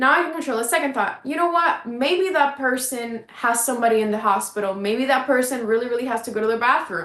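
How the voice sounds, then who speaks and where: Talking very fast with hardly any pauses, a woman sounds animated in a high voice with ordinary pitch variation, amid audible room echo and noticeable background noise. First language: not English. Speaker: mindset coach. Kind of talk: online coaching class. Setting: video call. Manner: casual, animated.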